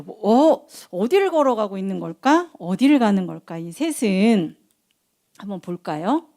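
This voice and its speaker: Here a young woman preacher with a medium-pitched voice animatedly recounts a Bible story for kids, putting questions to them and doing the voices of the characters.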